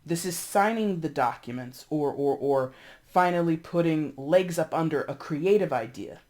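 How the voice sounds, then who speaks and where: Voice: mid-range voice, expressive, moderate pace, darkish tone. A tarot reader in their thirties, congested and sniffling, giving a casual, chatty reading with blunt swearing and emphatic repetition.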